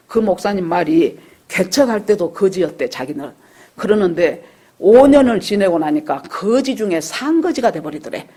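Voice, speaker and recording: A woman pastor delivers a Sunday sermon in a husky, slightly breathy voice. She preaches in a storytelling way and acts out the voices of the people in her stories. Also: lowish voice, warm tone. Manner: storytelling, acting out quoted dialogue. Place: church service.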